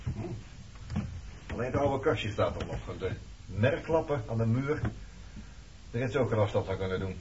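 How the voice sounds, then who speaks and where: Radio drama casting: actor as weathered sailor nearing forty, low voice, blunt and probing, on a muffled recording. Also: male voice, expressive, moderate pace, pauses often, lightly acted. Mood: critical, curious. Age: late 30s. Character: weathered roaming sailor nearing forty, blunt, nosy, nonchalant old flame. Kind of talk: Dutch radio play dialogue. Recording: dull lo-fi radio recording, clear noise.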